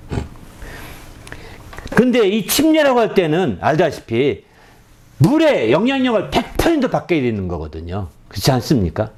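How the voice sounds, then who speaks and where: A middle-aged man preaching a revival sermon with a lively, swooping delivery, his voice sitting a little high for a man. He talks conversationally and keeps checking in with the listeners. At emotional peaks he rises into loud, high cries. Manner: conversational preaching with frequent "예?" check-ins to the congregation; rises to loud high-pitched cries when acting out repentance. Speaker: pastor.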